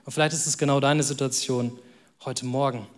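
A man preaching a sermon in a casual, youthful way, dropping to soft, quiet tones for weighty moments. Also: medium pitch, fairly even intonation, brisk. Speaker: pastor.

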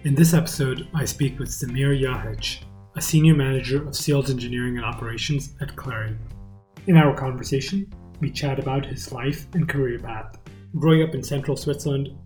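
Podcast host, man, friendly and conversational, mid pitch, faint guitar bed. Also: a little mellow. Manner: friendly, scripted intro then conversational questions. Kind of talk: podcast intro and interview.

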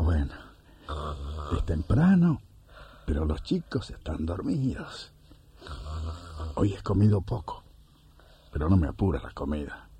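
A man acts out an amorous working husband who is quick to get indignant. His delivery is theatrical, slow and mellow, in a radio play. There is faint noise behind him. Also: low voice, exaggerated voice. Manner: theatrical, exclamatory.

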